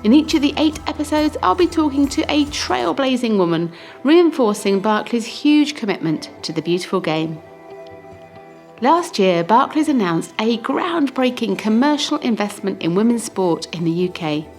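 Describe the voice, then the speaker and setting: Woman podcast host, lively high-pitched voice. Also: moderate pace, soft background music. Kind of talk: scripted podcast introduction and interview.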